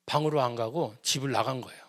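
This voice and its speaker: A middle-aged male pastor telling a family story in a sermon, animated and humorous, acting out the voices of the people in it. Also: medium pitch, fast, no room sound, clean studio sound. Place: church prayer service.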